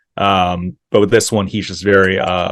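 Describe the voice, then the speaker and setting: A man with an ordinary speaking voice talks at a moderate pace and a fairly low pitch, his intonation fairly even, on a very clean recording with a silent background. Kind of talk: casual podcast conversation.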